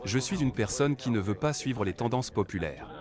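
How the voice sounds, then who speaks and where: A man reading translated interview answers as a news voice-over, in a measured, even way. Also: mid-range voice. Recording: voice-over with music beneath.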